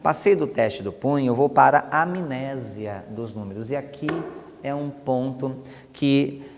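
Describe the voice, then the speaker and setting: A man with a Brazilian Portuguese accent teaches a hypnosis technique at an everyday pitch. Now and then he drops into slow, soothing demonstration commands. His voice carries a long reverb, like a large hall. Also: slight background noise. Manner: explains step by step, acts out slow soothing induction commands. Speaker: hypnosis instructor.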